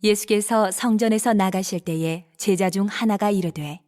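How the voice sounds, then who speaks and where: A woman narrating a dramatized Bible reading with an even, clear storytelling delivery. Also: mid-range voice, normal speed.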